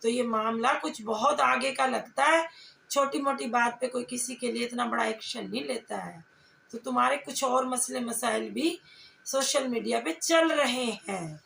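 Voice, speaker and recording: Pointed rhetorical questions drive this reaction vlogger's confrontational, scolding, taunting commentary. Her voice sits on the high side, gravelly and fairly bright, at a normal speed, recorded in an echoey room with faint background noise.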